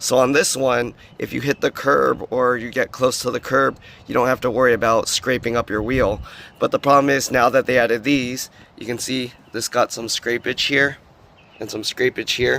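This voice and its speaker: Dry and close with no echo, a man's medium-pitched voice holds a monotone, flat intonation at a moderate pace. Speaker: product reviewer. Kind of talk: tutorial. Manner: casual.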